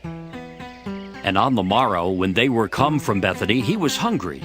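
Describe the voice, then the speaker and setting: A man reading scripted scripture narration in a measured storytelling manner for a dramatized Bible recording. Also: fairly low pitch, lively intonation, over music.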